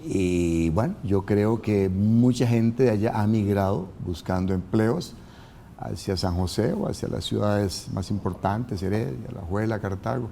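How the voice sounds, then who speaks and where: A man in his seventies from Costa Rica speaks in a calm, measured, storytelling way. His voice is low and warm. A faint hum of room noise sits behind him. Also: gravelly. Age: 70s. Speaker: guest. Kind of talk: interview answers.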